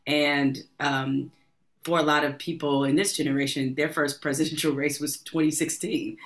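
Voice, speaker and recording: A middle-aged woman hosting a podcast interview, asking conversational, measured questions into a close podcast mic at home. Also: low voice, little pitch movement. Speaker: podcast host. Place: home room with bookshelves. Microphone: studio podcast mic close up.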